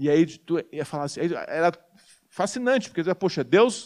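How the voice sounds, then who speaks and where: A man at a moderate pace with lively intonation, on a very clean recording with a silent background. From southern Brazil (Porto Alegre). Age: 50s. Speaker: physician and lay preacher. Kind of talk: sermon.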